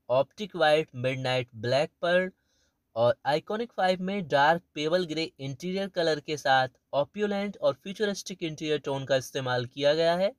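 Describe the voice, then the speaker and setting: A man in his thirties hosting a car channel, walking through a large expo hall and reeling off vehicle features as he narrates. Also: fairly high pitch. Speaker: auto channel host. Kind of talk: walkaround car show narration.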